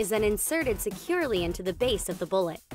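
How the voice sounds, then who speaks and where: A woman's voice with very wide pitch swings over music in the background. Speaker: voice actor. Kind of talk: product narration voice-over.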